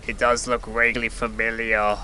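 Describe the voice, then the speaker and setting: Man acting a sharp-voiced sardonic adventurer. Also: medium pitch, completely flat delivery, moderate pace, slight background noise, low-quality recording. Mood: incredulous. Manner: sarcastic, blunt. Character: sardonic, exasperated, easily startled male adventurer hero. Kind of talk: audio drama acting.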